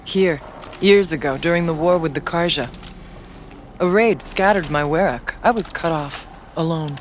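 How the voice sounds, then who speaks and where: A woman's voice: low voice, moderate pace, a little hiss or hum, close to an everyday voice. A woman playing a devout, anguished female tribal shaman in a video game, with solemn, fervent, formal delivery. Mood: somber, reflective. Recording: voice over game music. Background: music.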